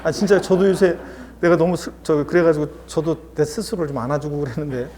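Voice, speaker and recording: A man's voice: fairly high pitch, steady tone, fairly quick, mellow. A man teaching a lecture course in a chatty, encouraging way. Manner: chatty and encouraging, often starts with "자". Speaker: instructor.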